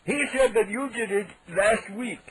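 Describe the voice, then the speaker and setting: A man's voice: sits high, moderate pace, a crowd in the background, close to an everyday voice, poor audio. A man playing a cranky, indignant 87-year-old neighbor on a prank call, making blustering threats with mock-polite outrage. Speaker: prank caller.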